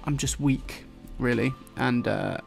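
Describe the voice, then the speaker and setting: A man with an English accent softened by London, chatting casually and rambling while he draws, swearing now and then and dropping his t's. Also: mid-range voice, takes it slowly, creaky, soft background music. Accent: English, London-influenced. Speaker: YouTuber drawing on stream. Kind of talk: casual chat while drawing.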